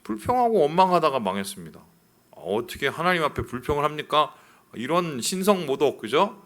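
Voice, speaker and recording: A man's voice: fairly high pitch, expressive, brisk, fairly bright tone. A man, a pastor, preaching a sermon in a church, asking his congregation questions and acting out complaints. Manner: acts out quoted complaints in a raised voice. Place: church sanctuary.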